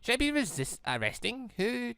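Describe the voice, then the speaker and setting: Bright, lively gamer thinking aloud. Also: medium pitch, normal speed, vocal fry, clear, resonant tone, no room sound. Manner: muttering game moves, thinking aloud. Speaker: gaming video host. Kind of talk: casual let's play commentary.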